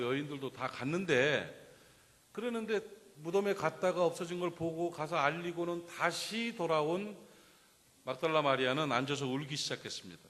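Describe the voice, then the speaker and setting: A male pastor preaching a Sunday sermon, his voice sitting a little high for a man. He tells the story vividly, questions the congregation and acts out the wailing. A long reverb trails his words through the church sanctuary. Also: a bit bright.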